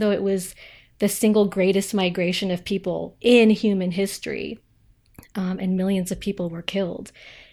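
A woman in a General American accent speaks at a moderate pace with a medium pitch and a dark, mellow tone, in a very clean recording with a silent background. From US Midwest (Ohio). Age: 30s. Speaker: podcaster, guest panelist. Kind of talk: casual chat. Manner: animated; laughs often.

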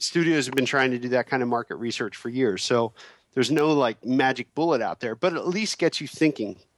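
On a dry, close recording with no echo and a quiet background, a man uses an ordinary speaking voice at medium pitch with ordinary pitch variation. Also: fairly quick pace. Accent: American. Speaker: film producer and distribution expert. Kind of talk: interview.

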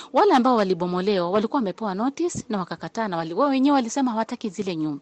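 Very wide pitch swings mark a woman's fairly high voice as she speaks very fast, in dry, close sound with no echo. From Kenya, Mombasa coast. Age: 50s. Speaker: resident interviewed on the street. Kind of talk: vox pop interview.

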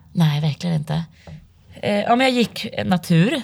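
Recorded very cleanly against a silent background, a woman speaks at a very slow pace in a somewhat breathy voice with a fairly low pitch. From Sweden, Jämtland. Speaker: outdoor adventurer. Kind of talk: interview conversation. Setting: dark restaurant studio.

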